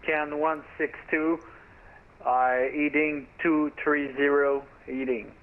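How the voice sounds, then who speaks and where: A man's voice: a little high, level tone, takes it slowly. Man on a tinny pilot radio. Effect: pilot heard over the aircraft radio. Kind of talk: clipped radio phraseology. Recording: tinny narrow radio transmission.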